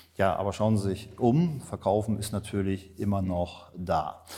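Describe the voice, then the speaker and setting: Recorded very cleanly against a silent background, a man with an ordinary speaking voice talks fairly slowly at a fairly low pitch. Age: 50s. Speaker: marketing professor. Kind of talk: interview. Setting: on location at a university by the harbour.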